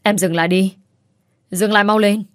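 A woman's voice: on the low side, moderate pace, darkish tone, no echo, studio quality, lightly acted. A woman voicing an earnest young husband who speaks urgently and firmly.

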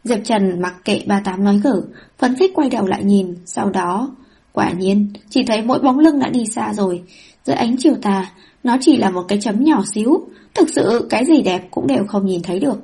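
A woman narrating a web novel audiobook in a lively storytelling manner. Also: medium pitch, moderate pace, creaky, slightly rough.

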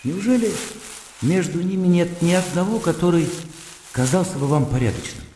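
A man playing a polite, slightly condescending gentleman suitor in a radio play. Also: fairly high pitch, lively intonation, normal speed. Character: courteous, worldly gentleman suitor, slightly patronizing. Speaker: gentleman Polkanov. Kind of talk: radio drama acting. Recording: roomy reverb with faint hiss.

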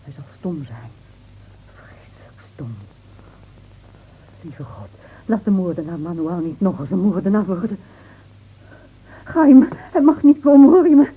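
A woman acting an anguished, desperate woman in a theatrical radio drama, pleading and shifting between outcries and breathy whispers. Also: fairly low pitch, lively intonation, measured pace, pauses often. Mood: desperate outcry. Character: anguished, desperate woman dreading her beloved Manuel's return. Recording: tinny, band-limited old radio play recording.

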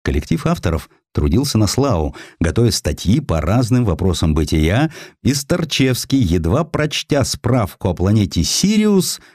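A male audiobook narrator with a low voice reads a literary historical sketch. His intonation moves animatedly through the phrases, and the recording is close and dry. The delivery is measured and expressive. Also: dry recording.

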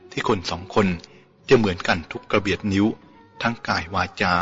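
Man reading a stubborn young woman, insistent, bright low voice, lo-fi. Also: steady tone, normal speed, lightly acted. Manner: insistent, pleading. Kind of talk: audiobook character voice. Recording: dull lo-fi with faint music.

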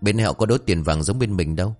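A man's voice: on the low side, fast talker, darkish tone, soft background music, natural voice. A man voicing an exasperated young sister. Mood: exasperated scolding. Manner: exasperated, scolding. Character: gentle dutiful young woman, scolding her wayward brother.

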